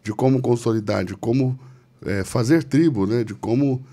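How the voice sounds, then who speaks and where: A warm-toned, mid-range voice at a moderate pace belongs to a man hosting a church podcast. Chatting casually, he reflects and thinks out loud.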